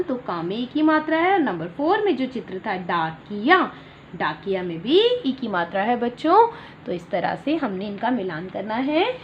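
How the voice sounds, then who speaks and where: A woman teaching Hindi to young children in an online lesson, spelling words out slowly and explaining them in simple terms. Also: on the high side, lo-fi sound, slight background noise. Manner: slow, drawn-out syllable-by-syllable dictation for young children. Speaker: primary school Hindi teacher.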